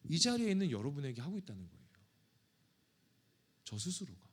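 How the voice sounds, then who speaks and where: Lively male pastor giving a chatty sermon. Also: on the high side, fairly quick, breathy edge. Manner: conversational, joking, confessional. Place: church sanctuary.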